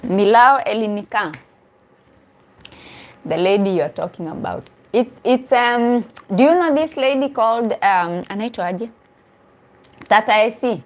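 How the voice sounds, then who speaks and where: A woman's voice: a little high, expressive, a little slow, pauses often. This is a woman, speaking as a dating coach on a casual live stream. She talks earnestly to her viewers, reacts to their comments and often restarts or repeats a phrase to stress her point. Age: 40s.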